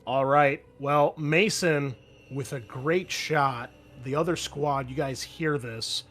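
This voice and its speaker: A man narrating a tabletop game as game master, talking to his players in a halting, conversational way. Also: mid-range voice, fairly bright tone. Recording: music behind the voice. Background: background music.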